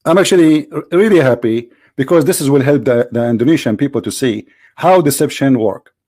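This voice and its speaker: Man, tired voice, video host, hesitant, filler-heavy, middle pitch, dry close sound. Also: brisk, warm tone, dry recording. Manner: hesitant, many filler sounds and throat clearing. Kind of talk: casual commentary to camera.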